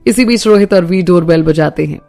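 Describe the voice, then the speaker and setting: A woman narrating a romance audio story in a steady storytelling manner. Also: on the low side, brisk, gravelly, soft background music.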